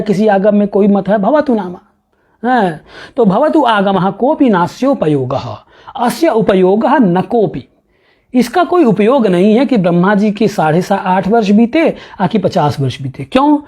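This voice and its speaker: A male professor slowly reads verses from a classical astronomy text, then explains them, posing rhetorical questions and adding chuckling side comments. His voice is very high and slightly mellow.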